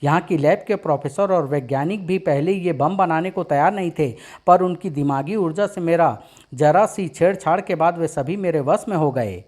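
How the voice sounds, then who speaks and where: A man's voice: a little high, moderate pace, a little mellow, close to an everyday voice. A man voicing an invisible, bodiless male supervillain from a comic story, boastful and menacing. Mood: gloating.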